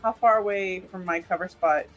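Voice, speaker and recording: A man with a fairly high voice takes part as a player in a tabletop game. He talks casually and haltingly, with faint music underneath. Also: a bit bright, muffled recording.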